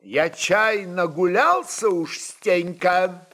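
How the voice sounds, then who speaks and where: A man's voice: sits high, extremely slow, sharp tone, full character voice. A man voicing an angry, fed-up Russian tsar in an indignant, commanding manner, as in a dramatic audiobook. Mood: angry, exasperated.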